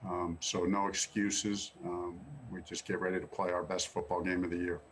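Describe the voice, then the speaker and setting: A man's voice: sits low, completely flat delivery, normal speed, low-quality recording. A man giving an unscripted press conference answer, with faint ambient noise.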